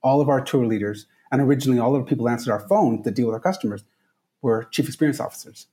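A man from Trinidad speaks as a podcast guest, earnest and emphatic, often repeating his key points. His voice is mellow and warm, with a relaxed tone. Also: medium pitch, rapid-fire. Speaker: guest, travel company founder. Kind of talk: podcast interview answers.

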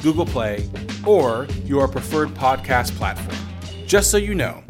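A man hosts a podcast in an upbeat way, reacting briefly and reading a scripted closing. Faint music plays softly behind his voice. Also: mid-range voice, very animated, measured pace. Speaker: podcast host. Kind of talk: podcast interview hosting.

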